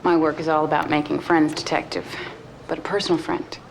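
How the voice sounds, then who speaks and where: An actress playing a poised fundraiser under police questioning, cool and guarded. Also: female voice, sits low, little pitch movement, a little fast, creaky, slight background noise, poor audio. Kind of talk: crime drama acting.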